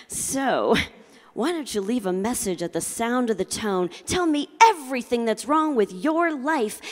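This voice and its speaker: A middle-aged woman giving a motivational keynote with comic storytelling, speaking with theatrical emphasis and working the audience through a handheld microphone. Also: a little high. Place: large convention hall, indoors. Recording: live hall PA with long reverb.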